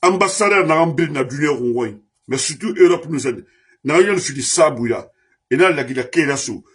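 A man from Guinea giving an impassioned political monologue as a diaspora commentator. He is heated, rises to shouts and lists grievances in repeated refrains. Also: fairly high pitch, expressive, moderate pace, slight background noise.

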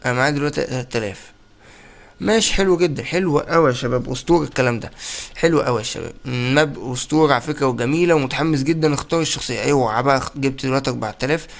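A young man with an Egyptian Arabic accent giving excitable, chatty let's-play commentary and talking straight to his viewers. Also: mid-range voice, rapid-fire, vocal fry. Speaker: gaming YouTuber.

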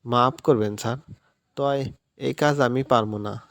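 A man's voice: medium pitch, a little slow, dry recording, studio quality, natural voice. A man voicing a timid, fearful middle-aged housemaid who speaks in rustic village speech.

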